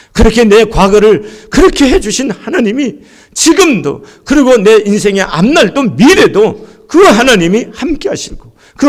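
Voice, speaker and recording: A middle-aged pastor from Gangwon Province delivers a sermon with fervor. His voice sits high for a man and leaps widely up and down. He moves between soaring lines and near-hushed ones. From Gangwon Province, Korea. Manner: impassioned preaching, swings from soaring to hushed.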